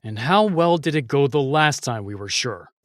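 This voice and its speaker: A man's voice: mid-range voice, animated, normal speed, no echo, clean studio sound, lightly acted. A man playing a cynical, reluctant knight worn out by duty, curt and sardonic, in a fantasy audio drama. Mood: grudging, weary.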